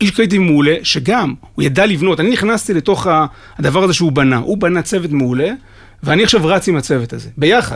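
A man with a high-pitched voice speaks at a fairly quick pace. His intonation is lively. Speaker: creative director. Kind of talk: interview. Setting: studio.

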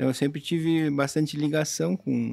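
Over a silent background in a very clean recording, a man speaks at a moderate pace with ordinary pitch variation. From southern Brazil, Pelotas (Rio Grande do Sul). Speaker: agronomist, seed researcher. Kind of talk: interview conversation. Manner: halting, repeats words.

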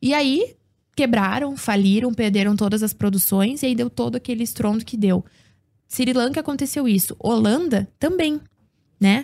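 A woman's plain, everyday voice, fairly high in pitch, at a moderate pace with ordinary pitch variation. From interior of Rio Grande do Sul, Brazil. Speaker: farmer and content creator. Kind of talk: casual podcast conversation. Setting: studio.

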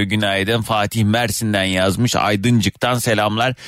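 This is a man's voice. His pitch sits fairly low. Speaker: radio host. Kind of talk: live morning radio show, casual chat. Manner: animated, chatty.

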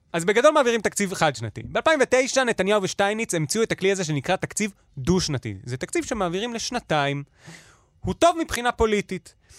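Energetic and fairly quick, a man speaks at a high pitch with very wide pitch swings, the sound dry and close with no echo. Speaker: podcast host explaining news. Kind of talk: news explainer chat. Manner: exaggerated, energetic mic delivery; didactic, explanatory.

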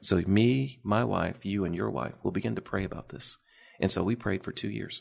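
With an American accent, a man speaks in a very deep, low pitch, showing vocal fry and very wide pitch swings. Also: moderate pace. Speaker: pastor. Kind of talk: testimony.

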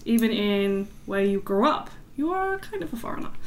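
A woman speaks at a fairly high pitch. There is noticeable background noise. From Chinese heritage. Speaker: podcast co-host.

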